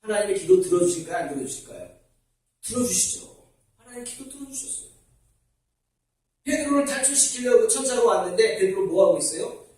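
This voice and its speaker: A male pastor preaches in a church sanctuary with a high, sing-song, slightly mellow voice, fairly quick but pausing often. He poses questions to the congregation and answers them himself, recorded from far off in a very echoey hall.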